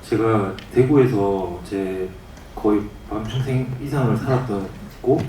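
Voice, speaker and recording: A film director with a Daegu accent, answering at a press conference, halting and restarting often. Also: male voice, lowish voice, warm tone, slight background noise. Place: cinema press conference hall. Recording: echoey hall from far off.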